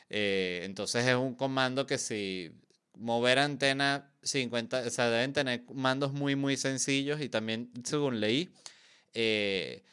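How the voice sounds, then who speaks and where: Bright-voiced man, chatty host. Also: mid-range voice, clear, resonant tone. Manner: playful, joking, rambling with many fillers. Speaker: podcast host. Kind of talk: casual chat.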